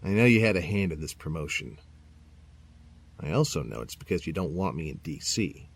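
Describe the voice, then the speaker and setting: An actor playing a plain-spoken police captain in an audio drama, reserved and matter-of-fact. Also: male voice, low voice, big pitch swings, moderate pace, creaky, slightly rough, heavily acted.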